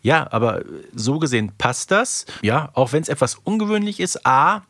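A man's voice: mid-range voice, very animated, moderate pace, a bit bright, no room sound. Chatty man, close and dry. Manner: colloquial, seeks agreement with tag questions. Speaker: podcast co-host. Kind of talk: casual chat reviewing an audio drama.

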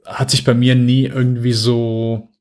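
A man's voice: mid-range voice, flat delivery, unhurried, a little mellow. A man co-hosting a podcast, chatting casually in a rambling, hesitant way with many fillers. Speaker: podcast co-host. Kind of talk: casual chat.

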